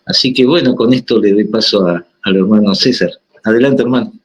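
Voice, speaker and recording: Argentine guy on a panel, really low husky voice, lots of um and restarts. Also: a little fast, muffled recording. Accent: Argentine Spanish. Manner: hesitant, many fillers and restarts. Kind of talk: panel discussion.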